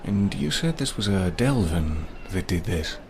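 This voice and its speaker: Man playing a low-voiced, hesitant adventurer. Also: big pitch swings, creaky, slight background noise, exaggerated voice. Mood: concerned. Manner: hesitant, halting, gently probing. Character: polite, hesitant adventurer, a sympathetic, inquisitive man. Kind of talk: fantasy role-play audio drama.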